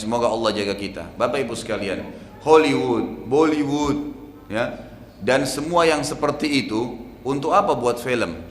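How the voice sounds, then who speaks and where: A middle-aged Indonesian man preaching an Islamic study sermon, telling stories animatedly with sudden loud peaks. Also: mid-range voice, slight background noise. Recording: echoey hall with faint ambience.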